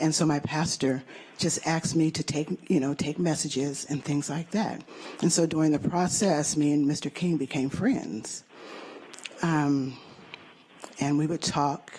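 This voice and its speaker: Against noticeable background noise, a woman with a very deep, low voice speaks at a fairly slow pace with fairly even intonation and long, frequent pauses. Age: 60s. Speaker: character witness at a clemency hearing. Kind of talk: testimony. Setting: public hearing room with microphone. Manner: halting, with many fillers.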